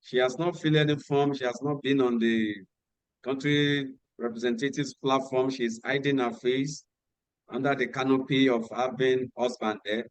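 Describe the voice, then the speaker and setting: A man's voice: medium pitch, fairly even intonation, smooth, dry recording, low-quality recording. Man, workshop host, video call, instructive, dry close sound. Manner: instructive, repeats key details slowly. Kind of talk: announcements at an online meeting.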